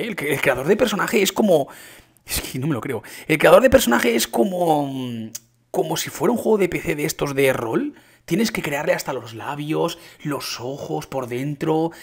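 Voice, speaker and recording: Young guy yelling over his battle royale game, kinda husky, voice jumps all over. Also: on the high side. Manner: excitable, exclaims often, addresses viewers as chicos. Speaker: gaming youtuber. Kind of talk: excited gameplay commentary.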